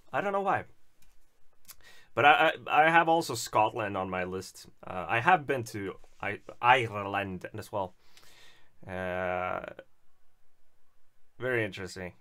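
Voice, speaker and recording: Reading out comments from viewers, this livestream host from Sweden, a native Swedish speaker, keeps things chatty and pokes fun at himself. He sounds fairly low, bright, and forceful.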